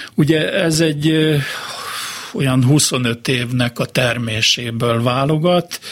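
A man with a fairly high pitch and ordinary pitch variation speaks very slowly over noticeable background noise. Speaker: poet and visual artist. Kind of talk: radio interview. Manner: halting, many fillers and repetitions.

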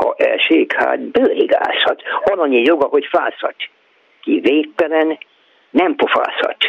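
A man at a very slow pace, with very even loudness and long, frequent pauses. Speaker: poet. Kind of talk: poetry reading. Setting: phone call.

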